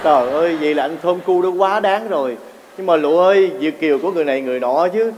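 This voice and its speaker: An actor with a Southern Vietnamese accent playing a returned overseas Vietnamese man who protests excitably and slips into English words. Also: on the high side, quick pace, muffled recording, lightly acted. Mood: protesting. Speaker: comic actor on stage. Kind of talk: stage comedy sketch. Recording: roomy, distant mic with noise.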